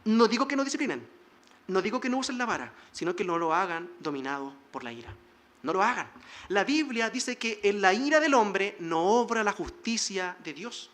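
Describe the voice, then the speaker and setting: A male pastor delivers a sermon in a high, ringing voice. He exhorts the congregation earnestly and slips into short acted lines of dialogue to make his point. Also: a bit bright. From Chile.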